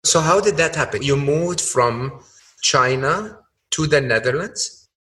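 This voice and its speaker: A man's voice: fairly high pitch, lively intonation, unhurried, bright, forceful tone, breathy edge. A man hosting an interview podcast, moving between scripted introduction and conversational questions. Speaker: podcast host.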